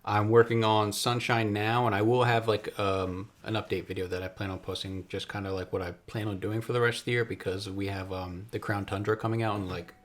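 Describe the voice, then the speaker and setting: A man's voice: on the low side, little pitch movement, a little fast, hardly any pauses. A man hosting a casual gaming podcast, talking in a rambling, storytelling way with trailing asides. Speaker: podcast host.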